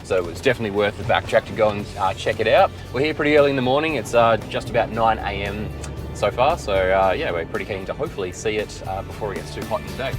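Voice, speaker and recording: A man's voice: on the low side, quick pace, music in the background. A young man narrating a road-trip travel vlog in a chatty, easygoing way, with plenty of fillers. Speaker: travel vlogger.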